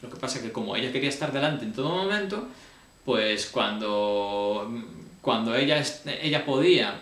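A man's voice: mid-range voice, a bit bright. Upset man venting in echoey room. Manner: emotional, colloquial, frequent restarts. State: deeply upset. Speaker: vlogger. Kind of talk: confessional personal account.

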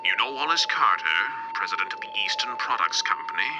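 An actor playing a mysterious, menacing avenger in an old-time radio drama, speaking ominously and often dropping to a whisper. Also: male voice, medium pitch, very animated, brisk, noisy background, lightly acted. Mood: secretive, commanding. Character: mysterious menacing crime-fighting avenger with sinister laugh. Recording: muffled old-radio sound, loud music.

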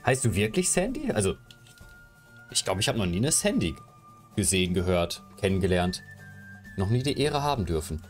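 A man's voice: low voice, sing-song, normal speed, long pauses, faint music behind. A young man streaming from his room on a headset mic, chatting loosely with his viewers while he moves his camera and gear around. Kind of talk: casual live stream chat. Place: home room, indoors.

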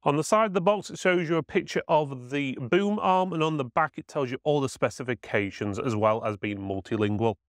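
A man's voice: mid-range voice, brisk, hardly any pauses, no room sound. Man, dry close sound. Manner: informal, matter-of-fact. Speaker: product reviewer. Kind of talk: hands-on product demonstration, casual explaining.

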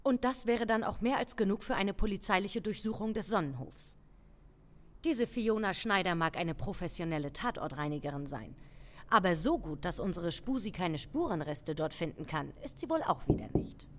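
A woman's voice: mid-range voice, lively intonation, moderate pace, natural voice. Woman acting as commanding police major for crime audio drama, mid-range voice, very varied intonation. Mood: decisive. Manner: formal, commanding. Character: composed, authoritative female police major.

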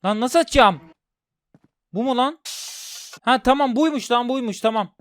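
A man's voice: very high voice, normal speed, clear, resonant tone, no echo, studio quality. Jumpy male gamer narrating his play. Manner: talks to viewers while playing, jumpy and loud when scared. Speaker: gaming streamer. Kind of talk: horror game let's play commentary.

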